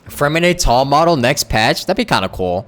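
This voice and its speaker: Lively, rambling young male streamer. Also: medium pitch, moderate pace, faint music behind. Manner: casual, rambling, lots of fillers. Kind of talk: live game commentary.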